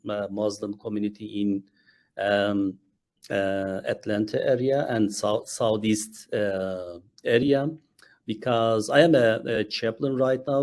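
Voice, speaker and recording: A man from Turkey, a Muslim chaplain, speaking haltingly on a panel over a video call, with many fillers and restarts. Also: lowish voice, darkish tone.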